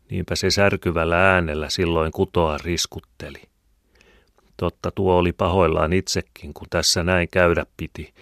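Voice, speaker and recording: Man reading an audiobook, really low voice, calm and measured, dead dry booth. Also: no echo. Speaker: audiobook narrator. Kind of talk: scripted narration.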